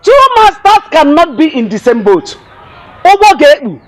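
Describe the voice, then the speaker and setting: A man with a Nigerian accent playing a drunk, quarrelsome village mother who shouts and slurs. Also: very high-pitched, big pitch swings, moderate pace. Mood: defiant.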